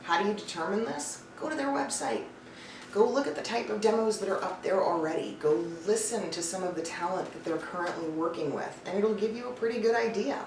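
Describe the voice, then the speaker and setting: Talking directly to her viewers, a woman who works as a voice-over coach and casting professional offers blunt, emphatic, conversational advice as a list of tips. Her voice sits at medium pitch and moves a little fast. The recording is roomy and distant with some background noise, made in an indoor room where a cat is nearby.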